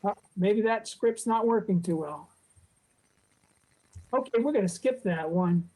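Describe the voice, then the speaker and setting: A woman casually presenting a software demo on a video call at a club meetup, talking in a relaxed way with lots of fillers. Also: medium pitch, a little slow, rough recording.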